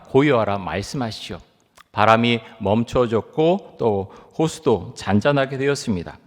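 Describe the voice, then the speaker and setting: A middle-aged male pastor preaches in a measured voice of ordinary pitch. He reads scripture slowly and deliberately and keeps turning to his listeners with questions. His voice carries a long reverb from a large church sanctuary. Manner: poses rhetorical questions to the congregation. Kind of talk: sermon.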